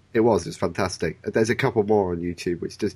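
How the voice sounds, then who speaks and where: With a southern English accent, a man talks at a fairly quick pace and fairly low pitch with fairly even intonation. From Oxford, England. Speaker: podcast co-host. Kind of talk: casual chat.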